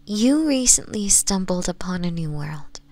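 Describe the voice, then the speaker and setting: A woman voicing a doting, possessive fox-woman mistress in an intimate ASMR roleplay, softly coaxing and often slipping into whispers. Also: lowish voice, big pitch swings, measured pace, no room sound. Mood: gentle, reassuring. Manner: soft, breathy, coaxing, often dropping into whispers.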